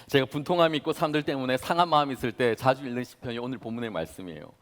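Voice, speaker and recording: A man in his thirties, a pastor preaching to young adults, dramatic in delivery, acting out prayers and swinging from hushed to loud. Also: medium pitch, very fast. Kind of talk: sermon.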